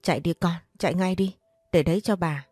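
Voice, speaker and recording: A woman reading a story voices a frail, fierce and protective elderly grandmother in a low, mellow tone, with pleading, reproachful outbursts. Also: fairly quick, dry recording, clean studio sound, faint music behind, natural voice. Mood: desperate.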